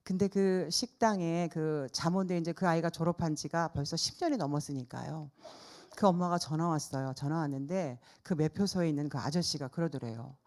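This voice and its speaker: A middle-aged woman evangelist preaching a sermon through a personal story, told in a lively way with the voices of the people in it acted out. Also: sits low, fairly quick. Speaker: evangelist preaching at a church service.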